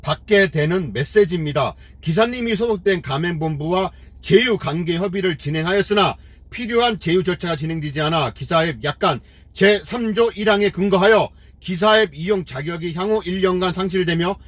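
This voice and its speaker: A man's voice: high voice, moderate pace, a bit bright, no echo. A middle-aged man, a taxi driver hosting his own channel, delivers an opinionated commentary full of scolding rhetorical questions and fillers.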